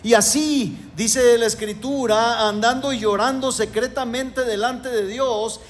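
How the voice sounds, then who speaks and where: High-voiced man preaching an emphatic sermon. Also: steady tone, measured pace. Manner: emphatic preaching, repeatedly addressing the congregation as brothers. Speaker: pastor.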